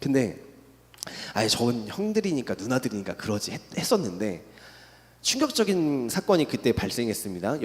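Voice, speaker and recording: Young man, high lively voice, church testimony, emotional storytelling, long hall reverb. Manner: emotional storytelling, voice rising in intensity. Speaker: testimony speaker.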